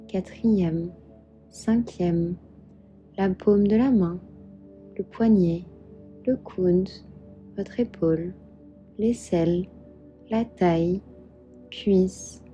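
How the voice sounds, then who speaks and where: A woman with a very soft, dark, relaxed voice leads a guided meditation over background music. She speaks slowly and soothingly, giving each instruction in a calm, measured way at a medium pitch. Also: muffled recording.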